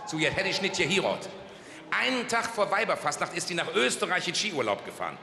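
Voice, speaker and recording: A man doing stand-up jokes at a carnival event, telling stories punchily and sometimes shouting. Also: high-pitched, very animated, brisk, vocal fry. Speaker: carnival comedian. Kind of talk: stand-up joke telling on stage. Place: large carnival hall stage. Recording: echoey hall with long reverb.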